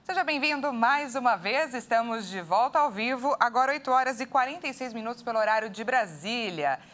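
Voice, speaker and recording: A woman's voice: fairly high pitch, brisk, a bit bright, soft background music. A Brazilian woman, around her thirties, presenting live television news as an anchor. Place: TV studio with large windows. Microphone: lapel.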